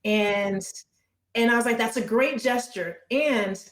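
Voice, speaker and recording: A woman's voice: on the high side, slow, a bit bright, reverberant. A woman hosting a podcast, chatting in an upbeat way and building on her guest's points with everyday examples. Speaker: podcast host. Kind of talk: casual interview chat.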